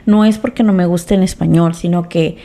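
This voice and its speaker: A woman and mother of teenagers in casual podcast chat, reflective and relaxed, slipping English phrases into her speech. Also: lowish voice, normal speed. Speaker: podcast co-host.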